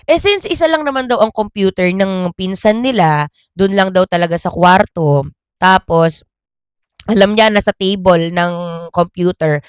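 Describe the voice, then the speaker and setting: A woman vlogger telling a gossip story in a casual, animated way, speaking directly to her listeners. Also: mid-range voice, no echo, clean studio sound.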